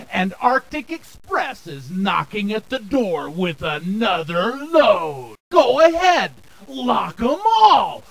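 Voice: medium pitch, fairly bright tone, exaggerated voice. An actor voicing a cocky, jeering turtle villain in a cartoon video game, sneering and sarcastic.

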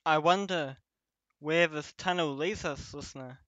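A man playing a protective young companion leading an escape in an ASMR roleplay, speaking haltingly in short phrases. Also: a little high, a bit bright, no echo, highs cut off. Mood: wondering, encouraging.

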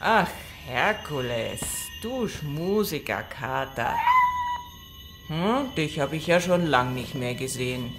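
An older woman in a German radio play playing a kindly, hesitant elderly neighbor, homely and halting. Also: deep voice, lively intonation, loud music behind the voice, exaggerated voice. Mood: fond.

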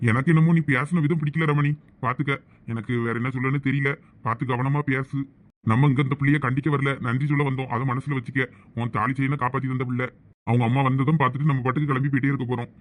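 A man's voice: medium pitch, steady tone, fast, lightly acted. A man with a Thoothukudi Tamil accent playing a firm middle-aged husband who lectures his wife. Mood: stern. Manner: stern, lecturing. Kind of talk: village comedy skit acting.

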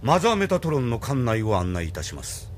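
A man's voice: medium pitch, huge pitch swings, a little fast, a little hiss or hum. An actor playing a stern male admiral who insists on rank, speaking in a formal, commanding way.

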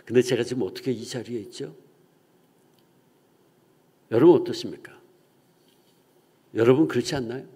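A man's voice: mid-range voice, dark tone, husky, in a large hall. A middle-aged male pastor preaching an early-morning sermon in a church, telling a story with acted-out voices.

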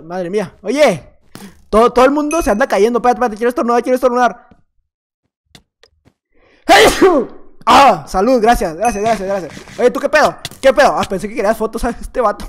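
A man with a Mexican accent giving live gameplay commentary as a gaming YouTuber, joking and rambling as he chats playfully with the other players. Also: high voice.

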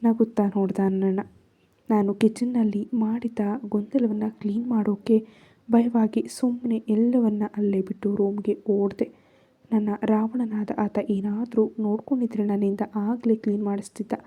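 A woman's voice: medium pitch, level tone, normal speed, husky, phone-quality sound. A woman narrating a first-person love story in Kannada-accented speech, raising her voice for quoted lines.

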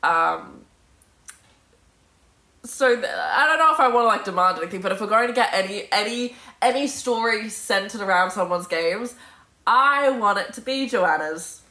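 A woman's voice: mid-range voice, animated, normal speed, pushed and bright. A woman in her twenties chatting casually on a livestream, answering comments in an emphatic, sweary, opinionated way. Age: 20s. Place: indoor room at home with bookshelf. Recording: roomy echo from phone mic.

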